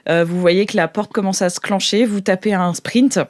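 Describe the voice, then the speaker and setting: A woman leads a tabletop role-playing game as game master. Her voice sits at an average pitch as she improvises scenes and gives the players instructions. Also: fairly even intonation, normal speed.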